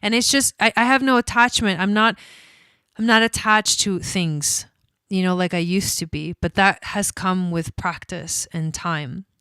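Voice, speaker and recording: A woman's voice: medium pitch, measured pace, sharp tone, clean tone, no echo. A woman from Argentina, an astrologer hosting a casual livestream, chatty and cursing freely with many fillers. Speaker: astrologer host.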